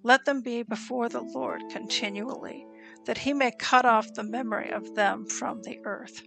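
A woman reads scripture aloud in a slow, solemn and measured way, pausing between phrases. Her voice sits a little high and carries a gravelly fry. Soft instrumental music plays faintly behind her. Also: low-quality recording. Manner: solemn, even reading pace with deliberate pauses. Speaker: scripture reader.

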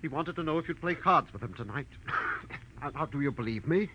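An actor playing an anxious, excitable, defensive inventor in a 1940s radio detective drama, agitated and exclaiming. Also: male voice, fairly high pitch, normal speed. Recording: muffled, noisy vintage radio recording.

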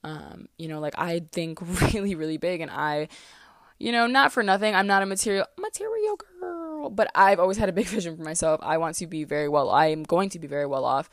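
Young woman, podcast host, rambling and candid, lowish voice, dry close sound. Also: lively intonation, a little fast, no room sound. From US East Coast. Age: 20s. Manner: candid, rambling, many fillers and restarts. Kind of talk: casual solo podcast monologue. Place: closet, small room.

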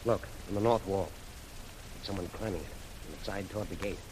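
Actor playing a practical gunman, quick speech, level-headed, middle pitch, hissy old radio. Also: natural voice. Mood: tense. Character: steady practical young male defender with a gun. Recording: hissy 1930s radio recording.

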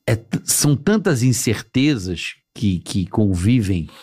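A man's voice: fairly low pitch, sing-song, slow pace, a little mellow, husky. A man hosting a podcast, talking casually and thinking aloud with frequent restarts and repeated words. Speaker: podcast host, former radio presenter. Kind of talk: casual chat.

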